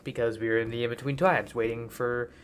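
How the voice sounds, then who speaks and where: A man's voice: mid-range voice, fairly even intonation, brisk, a little hiss or hum. A young man from the United States hosting a casual solo podcast from a hotel bathroom, rambling with jokey asides. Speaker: podcast host.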